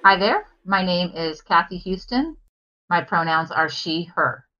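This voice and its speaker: A woman's voice: on the low side, expressive, a little slow, sharp tone. A middle-aged woman, a life coach, telling her personal story openly and earnestly as a podcast guest. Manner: open and earnest, with fillers. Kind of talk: candid interview storytelling. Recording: dull lo-fi remote audio.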